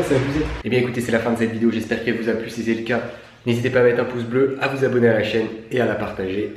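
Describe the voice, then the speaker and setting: A man's voice: mid-range voice, very echoey, background noise. A young man with a congested, worn-out voice from a cold, chatting informally as a travel vlogger. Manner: slangy, informal. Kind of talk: casual vlog chat.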